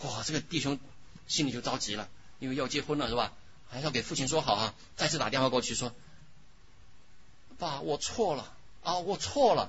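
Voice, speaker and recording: His voice is fairly high for a man, with ordinary pitch variation. He keeps a moderate pace but leaves long, frequent pauses. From mainland China, Yangtze riverside. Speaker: lay preacher. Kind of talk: sermon. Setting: church women's fellowship with audience.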